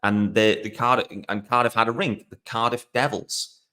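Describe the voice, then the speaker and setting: A Welsh man in his forties talks through a solo sports podcast in a loose, rambling way. His pitch sits in an ordinary middle range for a man. He drifts between points and teases himself as he goes. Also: fairly even intonation, moderate pace, sharp tone. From South Wales. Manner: rambling, conversational, self-deprecating. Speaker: podcast host. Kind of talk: casual solo podcast talk.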